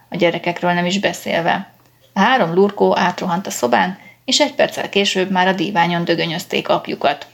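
Woman reading a story aloud, slight gravel. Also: on the low side. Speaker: narrator. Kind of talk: audiobook reading.

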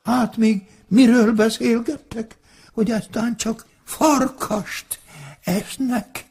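A man's voice: very high-pitched, fairly even intonation, darkish tone, a little hiss or hum, pitched above the performer's own voice. A man voicing a frightened fox in a told folk tale, breathless and panicky. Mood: panicked.

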